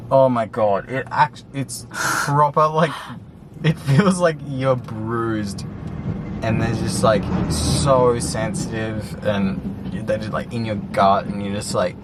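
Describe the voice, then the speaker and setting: A man's voice: mid-range voice, takes it slowly, noisy background. A young man chatting casually with a friend, candid and rambling, swearing freely. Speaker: guest best friend. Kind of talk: casual chat.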